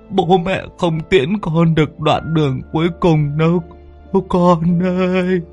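A man's voice: on the high side, fairly even intonation, darkish tone, highs cut off, soft background music, voice pushed up. A man doing a mournful old father's lament. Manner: slow sing-song lament. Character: grieving older father, lamenting.

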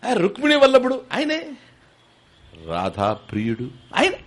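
A man's voice: extremely high pitch, huge pitch swings, unhurried. A man giving a spiritual sermon, asking rhetorical questions and chanting verses. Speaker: spiritual teacher giving discourse. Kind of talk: sermon on scripture.

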